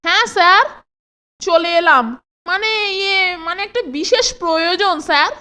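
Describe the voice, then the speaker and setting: A woman voicing an earnest, excitable schoolboy in a children's comic cartoon, eager and dramatic. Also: very high-pitched, normal speed. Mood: sheepish.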